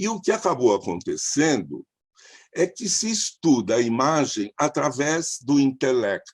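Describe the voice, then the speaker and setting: Vocal fry runs through the voice as it makes very wide pitch swings. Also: man, fairly high pitch for a man, fairly slow pace. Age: 70s. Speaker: Jungian analyst. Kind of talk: symposium talk. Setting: online live event.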